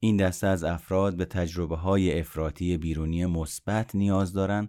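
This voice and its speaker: A man speaks in a very deep, low voice with a dark, mellow tone, recorded very cleanly against a silent background. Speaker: podcast host, psychology. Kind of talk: scripted educational monologue. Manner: formal, explanatory.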